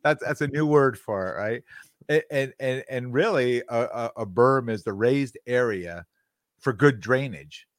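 A man's voice: mid-range voice, unhurried, dry recording, studio quality. A middle-aged man co-hosting a podcast, telling long casual stories with lots of false starts and restarts. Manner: rambling storyteller with many restarts. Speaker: podcast co-host.

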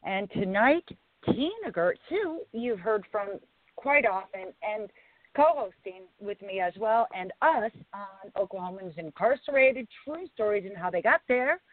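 A woman hosting a live talk radio show in a low, raspy voice, speaking deliberately and leaning on phrases for emphasis. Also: animated, no echo. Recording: tinny phone-line radio audio.

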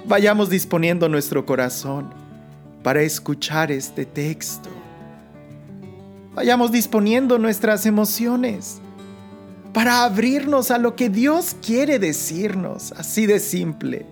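Over background music, a woman guides a Christian prayer meditation, soothing and unhurried like a sleep story narrator, pausing between short phrases. Her pitch is medium and her delivery animated.

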